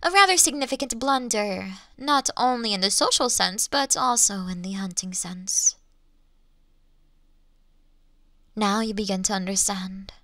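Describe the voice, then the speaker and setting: A woman's voice: mid-range voice, normal speed, few pauses, sharp tone, no echo, studio quality. A woman playing a refined female monster who toys with a hunter in a Victorian fantasy audio roleplay, speaking in mocking, formal, old-fashioned phrases and often slipping toward a whisper. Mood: amused, taunting.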